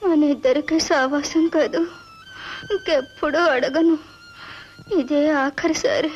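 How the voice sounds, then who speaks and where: A woman's voice: high voice, steady tone, slow, dull audio, a little hiss or hum. A woman playing a dying orphan boy who speaks faintly and tenderly. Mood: weak tender.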